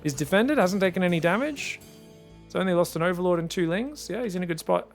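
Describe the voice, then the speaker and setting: A young man casting a strategy game live. His voice is high for a man with plenty of creak, and he talks casually and excitably to his viewers over music. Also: fast talker. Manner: animated, informal, addresses viewers as guys. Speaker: esports commentator.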